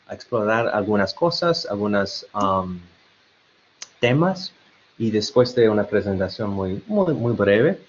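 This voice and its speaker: A man with an American-tinged Spanish accent giving an online webinar presentation, hesitant with many fillers and restarts. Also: on the low side. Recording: dull lo-fi web call audio.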